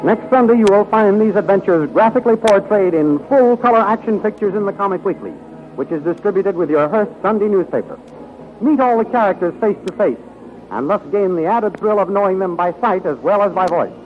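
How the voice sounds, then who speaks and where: A man's voice: high-pitched, lively intonation, brisk, faint music behind. A male announcer reading scripted narration in an emphatic, formal 1930s radio style on a muffled old recording.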